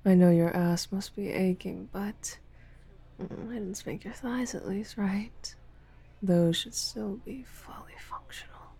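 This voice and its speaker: A woman playing a dominant, taunting lover in an intimate audio roleplay, mostly in a husky whisper with a slow, commanding delivery. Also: mid-range voice, dark tone, heavily acted. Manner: slow, teasing, commanding, profane.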